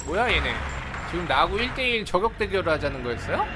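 This fast-talking streamer has a high voice and plays a horror game over music, offering Let's Play commentary. He greets and chats with his viewers, getting excitable and yelping or shouting when attacks come out of nowhere.

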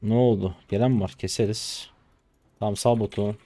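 Give me a man in his twenties from Turkey narrating his gameplay live, a fairly low voice in a dry, close recording, chatty with sudden loud outbursts. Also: moderate pace, dry recording. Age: 20s. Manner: chatty, trash-talking, bursts into loud excited shouts. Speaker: gaming streamer. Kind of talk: casual live gameplay commentary.

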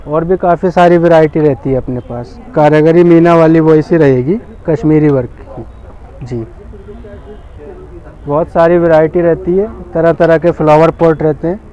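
A man at a busy expo stall pitching carved wooden pots to a customer, polite and patient, with lots of respectful "ji"s. His voice sits a little high yet sounds mellow and soft-edged. The audio is dull and lo-fi, from a phone camera. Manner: polite, keeps saying "sir ji" and "ji". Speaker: handicraft stall seller. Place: indoor expo stall in a large tent.

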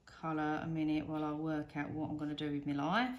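Speaking quickly in a low, monotone voice, a British budgeting vlogger narrates a hands-on task at a wooden table indoors, rambling and self-deprecating as she thinks aloud. The recording has its highs cut off and a slight hiss or hum.

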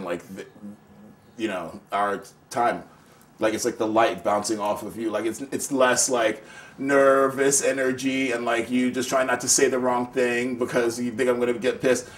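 A man's voice: medium pitch, fairly bright tone, slight background noise. Laid-back New man, rambling. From New York City. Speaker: artist. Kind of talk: casual conversational interview.

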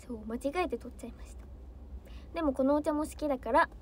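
A woman's voice: sits high, fast, darkish tone, slight background noise. A young woman, an idol trainee, chatting casually on a livestream, bubbly and easily flustered as she answers comments.

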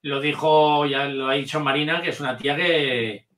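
A man, a guest in a casual interview chat, hesitant and halting. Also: on the high side, a bit bright, reverberant. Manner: hesitant, full of restarts and fillers. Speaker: guest, channel manager.

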